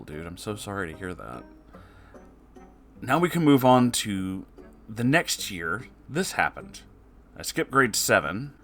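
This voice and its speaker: A man with a fairly low voice reads personal stories aloud as an online narrator. His delivery is casual and conversational. Soft music with guitar plays faintly behind him. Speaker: online story reader. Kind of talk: animated reading aloud of personal stories, with asides.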